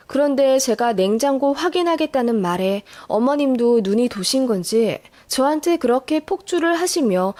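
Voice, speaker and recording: A woman narrating a dramatized personal story in an expressive, emotional way. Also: sits high.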